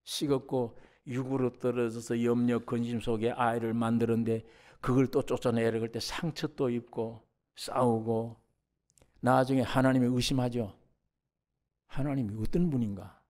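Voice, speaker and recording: A man preaching a sermon in a church, animated, who acts out biblical characters in dialogue and rises sharply in pitch and volume when stirred. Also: moderate pace. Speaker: pastor. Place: church sanctuary.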